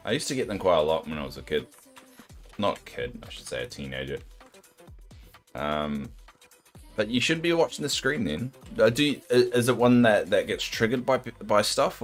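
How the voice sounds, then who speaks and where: A man with a New Zealand accent and a very deep, soothing voice chats with his stream viewers while he plays. His pitch moves about a lot, and his rambling talk is sympathetic and self-deprecating. Faint game music plays behind him. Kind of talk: casual chat with viewers while gaming.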